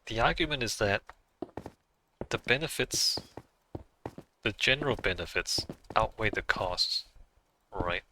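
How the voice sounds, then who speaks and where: A man's voice: on the low side, expressive, a little slow, long pauses, pushed and bright, slight background noise, low-quality recording. A man who is not a native English speaker, chatting casually on a game livestream, thinking aloud and musing with small laughs.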